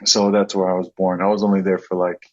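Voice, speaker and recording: Laid-back male guest in his thirties with a very deep voice, dull recording. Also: fast. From born in American Samoa, raised in Southern California. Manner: relaxed, easygoing, laughs often. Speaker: guest, content creator. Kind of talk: casual interview chat.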